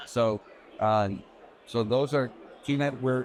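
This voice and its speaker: A man speaks slowly-ish, at a fairly slow pace, with a medium pitch and monotone, flat intonation. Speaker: board game publisher manager. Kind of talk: product demo interview. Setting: trade fair booth.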